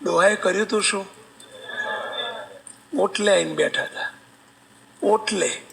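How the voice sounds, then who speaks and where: A man telling a devotional story as a sermon, animated, acting out voices and asking listeners questions. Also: high voice, unhurried, gravelly, poor audio. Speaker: religious storyteller.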